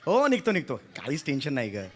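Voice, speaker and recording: An actor playing a film star in a rush who keeps pleading and repeating himself, in a stage comedy sketch. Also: male voice, fairly high pitch, wildly swooping pitch. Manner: pleading, rushing, repeats words. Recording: noisy stage audio.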